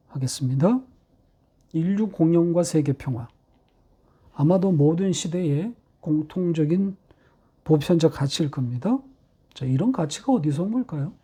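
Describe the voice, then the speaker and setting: A middle-aged male pastor preaching a sermon, posing rhetorical questions and slowing down to stress key phrases. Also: on the high side, warm tone, slightly rough. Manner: rhetorical questions, measured delivery with slowed emphatic phrases.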